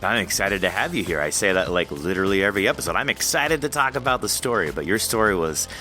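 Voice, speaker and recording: A man's voice: low-pitched, animated, fast talker, sharp tone, faint music behind. A man hosting a podcast interview in casual chat, friendly and rambling with frequent laughs. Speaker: podcast host.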